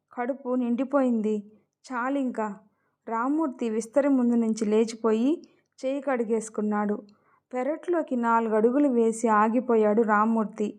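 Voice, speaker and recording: A woman narrating an emotional story in a measured, expressive reading. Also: on the high side.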